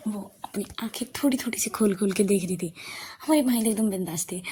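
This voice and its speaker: Woman, audio love story narrator, conversational, hushed in tender parts, mid pitch, faint hiss. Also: a little fast.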